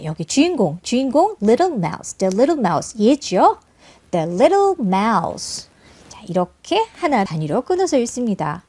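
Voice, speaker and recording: Brief: female reading coach with a high pitch and a slow pace, models English phrases with exaggerated rise and fall. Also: a little mellow. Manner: encouraging, explains step by step with questions to the viewer. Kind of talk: picture book reading lesson.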